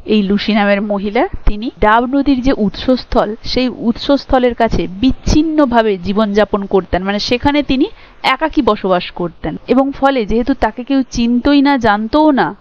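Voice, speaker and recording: A woman with a Bengali accent gives a poetry lesson in a slightly high voice. She explains line by line and checks in with rhetorical questions. The recording sounds dull and lo-fi. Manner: explanatory, asks rhetorical checks, slows to read lines aloud. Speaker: teacher. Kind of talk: exam-prep poetry lecture.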